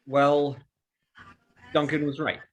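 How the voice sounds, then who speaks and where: A man's voice: a little high, level tone, slow, highs cut off. An actor playing an anxious, earnest teenage boy, plain-spoken and urgent, in a horror comedy script read.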